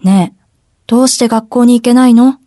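A woman's voice: fairly high pitch, fairly even intonation, normal speed, warm tone, no echo, clean studio sound, natural voice. An actress playing a middle-aged mother who presses her daughter with reproachful questions in a radio drama.

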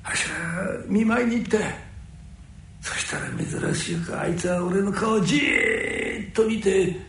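A man playing a gruff but caring older nori wholesaler who speaks in rough downtown slang. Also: high-pitched, measured pace, fairly bright tone, heavily acted. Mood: remorseful. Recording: very echoey room.

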